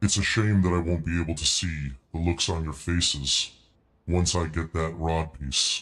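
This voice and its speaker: In a put-on character voice, a man growls out lines in a very deep, low pitch with a menacing tone at a moderate pace, in a very clean recording with a silent background. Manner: menacing, gloating.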